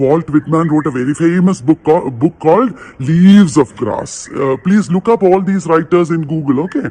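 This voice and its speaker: This man has a normal speaking voice, fairly high in pitch, moving at a moderate pace with ordinary pitch variation. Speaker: literature teacher. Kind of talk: lecture.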